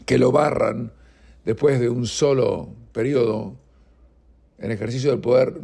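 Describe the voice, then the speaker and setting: A man's voice: mid-range voice, vocal fry, a little mellow. A middle-aged man with an Argentine Spanish accent, hosting an opinionated news commentary show and speaking emphatically and indignantly, with frequent restarts. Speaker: political commentary host.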